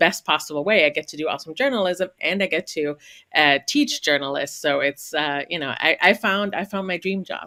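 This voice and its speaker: Speaking with a slight German accent, a woman uses a fairly low pitch, ordinary pitch variation and a bright, sharp tone at a fairly quick pace. The sound is dry and close, with no echo. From Germany. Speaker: journalist and author. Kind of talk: interview. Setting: home office, video call. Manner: many fillers and repetitions.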